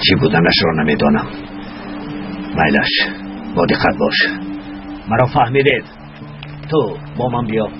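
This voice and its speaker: A stern, threatening commander with a Tajik accent. His low voice comes through a dull, muffled dub recording, with steady noise underneath. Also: pauses often. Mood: stern commanding. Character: stern male commander giving orders.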